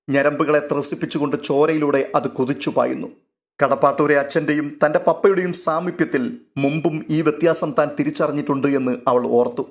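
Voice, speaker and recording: A man narrating a novel aloud in a steady, literary storytelling manner. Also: on the high side.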